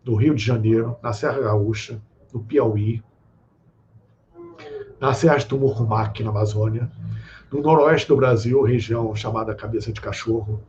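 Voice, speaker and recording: A Brazilian man explains in a lecturing way, often pausing to check in with his listeners. The live-stream audio is a bit dull and muffled. A faint hiss of room noise sits under his voice. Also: medium pitch, fairly even intonation, darkish tone. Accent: Brazilian Portuguese. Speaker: guest speaker on esoteric topics.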